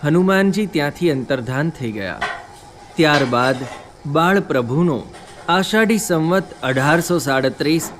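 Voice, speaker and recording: A man narrating a scripted devotional story in a measured, solemn way. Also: fairly high pitch, lively intonation, fairly bright tone, slight background noise.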